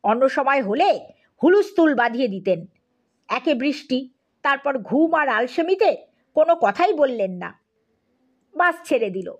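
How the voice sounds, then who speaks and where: A woman with a high voice narrates a story in an expressive, theatrical way. Her pitch moves in lively swings as she reads the scripted tale like an audiobook performer. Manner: theatrical, acts out dialogue.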